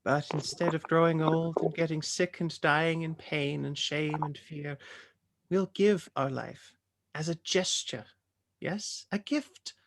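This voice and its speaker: A woman playing a calm, solemn village elder who preaches in a measured, creaky voice in a dramatic table read. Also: low-pitched, background noise. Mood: grave, fervent.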